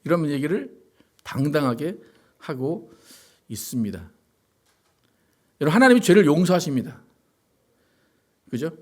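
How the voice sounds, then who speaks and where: A man's voice: on the high side, darkish tone. A male pastor giving a sermon in a conversational way, often asking the congregation rhetorical questions. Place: church sanctuary.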